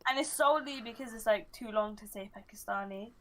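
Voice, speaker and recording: A woman chatting casually on a podcast, talkative and quick to laugh. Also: fairly high pitch, a crowd in the background. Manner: chatty, laughs easily, self-conscious. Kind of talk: casual chat.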